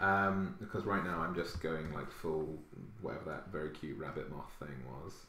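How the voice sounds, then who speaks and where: A man with a very deep, low pitch and a southern English accent talks at a moderate pace with ordinary pitch variation. The room echo is audible, and there is light background noise. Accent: posh southern English, received pronunciation. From southern England. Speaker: fantasy artist and streamer; artist streamer. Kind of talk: casual live stream chat. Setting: live video stream. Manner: animated; rambling. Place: home room.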